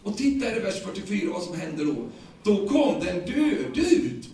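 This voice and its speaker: In a loud, echoey room heard at a distance, a Swedish-accented man with a gravelly, slightly high voice preaches over slight background noise. He puts scripture into lively, everyday words, stumbling on repeated words as he goes.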